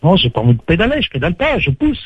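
A man's voice: high voice, wildly swooping pitch, very fast, slightly rough, dry recording. A man on the phone, rambling hesitantly in a casual chat. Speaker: prank call target. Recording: muffled phone line.

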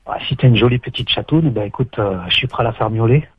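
A man's voice: mid-range voice, quick pace, slightly rough, dry recording. A man on a phone call, boasting with hesitant fillers. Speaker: caller on a radio show. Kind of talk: phone conversation. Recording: dull lo-fi phone line.

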